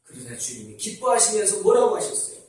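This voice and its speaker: A man's voice: sits high, sing-song, fast, a little mellow. A male pastor preaching a sermon, asking the congregation questions and answering them himself. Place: church sanctuary. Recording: very echoey church hall from far off.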